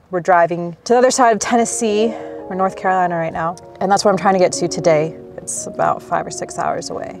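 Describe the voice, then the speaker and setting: A young woman in her twenties vlogging in a car, talking to the camera in an anxious, rambling way with restarts and fillers. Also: lowish voice. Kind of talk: casual vlog talk to camera. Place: inside a car, then a small cabin and outdoors. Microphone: handheld camera at arm's length.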